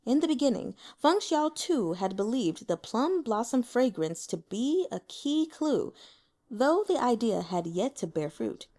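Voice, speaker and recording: A woman narrating an audiobook in a calm, even reading voice. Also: on the high side, measured pace. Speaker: audiobook reader.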